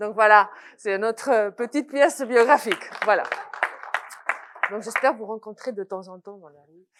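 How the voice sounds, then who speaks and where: Speaking at a fairly slow pace, a woman uses a fairly high pitch with ordinary pitch variation and big swings in loudness. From Spain, Barcelona. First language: Spanish (speaking French). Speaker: economics professor. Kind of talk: lecture. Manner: halting, searching for words.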